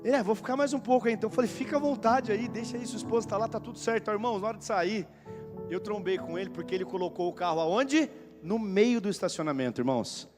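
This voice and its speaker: High-voiced male pastor in a reverberant church hall. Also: fast. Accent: Brazilian Portuguese. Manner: animated storytelling, acting out both sides of a conversation. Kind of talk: sermon with storytelling. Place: church auditorium. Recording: long hall reverb with music behind.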